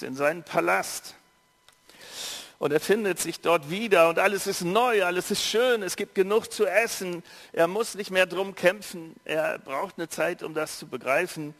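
An earnest male preacher tells a story during a sermon, speaking in a measured way with pauses. His voice sits a little high for a man. A long reverb hangs after each phrase. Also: fairly bright tone.

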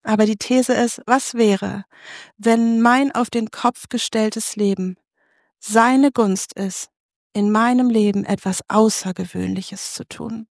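A woman's voice: a little high, steady tone, slow pace, vocal fry, dry recording, clean studio sound. Candid woman preaching a personal testimony. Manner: candid, emotional, addresses listeners directly with questions.

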